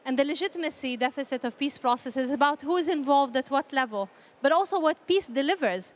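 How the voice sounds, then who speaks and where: High-voiced woman speaking on a panel. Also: lively intonation, a little fast. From Palestinian, grew up in a conflict country. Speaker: panel speaker, peace initiative representative. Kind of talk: formal panel remarks, semi-prepared.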